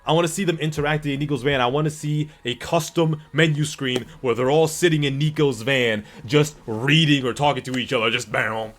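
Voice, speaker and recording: A man's voice: mid-range voice, a little fast, few pauses. A man hosting a casual gaming livestream, reading and answering chat in a rambling, slangy, profane and emphatic way. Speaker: livestream host. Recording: music playing behind the voice. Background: background music.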